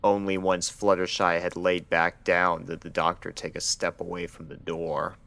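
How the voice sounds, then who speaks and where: A man's voice: sits low, flat delivery, normal speed, creaky, bright, forceful tone. A man reading scripted fan fiction as the narrator of a dramatic story.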